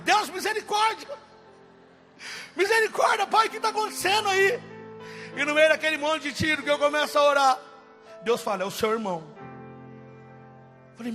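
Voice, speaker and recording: Impassioned high-voiced male preacher. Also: big-room sound. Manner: impassioned, swings from loud cries to hushed. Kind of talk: testimony sermon.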